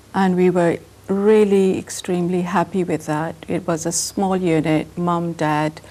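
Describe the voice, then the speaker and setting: The intonation of this woman is monotone and flat. She talks fairly slowly. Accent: Pakistani. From Pakistan. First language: Urdu. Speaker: artist. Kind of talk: interview. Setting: studio.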